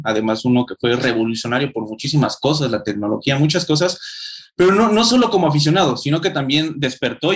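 Man, 30s, host, rapid speech, eager. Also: mid-range voice. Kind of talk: podcast chat.

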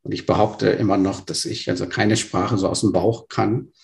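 Brief: gravel-voiced man in his fifties, born in Burma, interview guest, halting and thoughtful. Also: on the low side, fairly even intonation, darkish tone. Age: 50s. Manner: hesitant, many fillers and restarts. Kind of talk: conversational interview storytelling.

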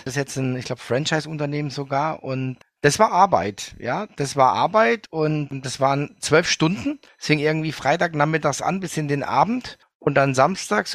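A man in casual conversation, talking through his own experiences in a relaxed, chatty way. He keeps checking in with short affirmations, and the recording is dry with no room sound. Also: on the high side, dry recording. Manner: chatty, frequent "ja" fillers.

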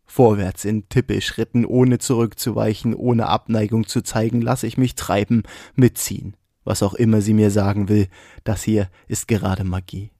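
A man's voice: on the low side, flat delivery, moderate pace, mellow, no room sound, clean studio sound. A man performing his own spoken-word poetry in a rhythmic, vivid delivery, laughing off his own slips. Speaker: poet and podcast host.

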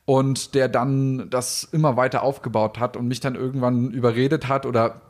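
A man's voice: medium pitch, flat delivery, normal speed, darkish tone. A young man from Belgium, a startup founder, talking as a guest in a casual interview, hesitant and thinking aloud with many fillers.

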